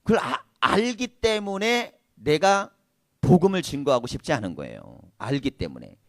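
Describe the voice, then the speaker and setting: A man's voice: fairly high pitch, very animated, normal speed, dry recording, studio quality. A male pastor preaching a sermon in a conversational way, asking his listeners many questions and laughing now and then. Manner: occasional laughter. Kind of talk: sermon at a prayer meeting.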